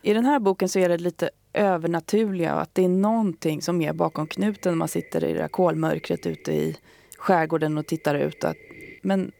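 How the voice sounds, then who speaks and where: A woman's voice: lowish voice, steady tone, vocal fry, mellow. A woman talking casually on the radio as a guest recommending a book, hesitant, with many fillers and restarts.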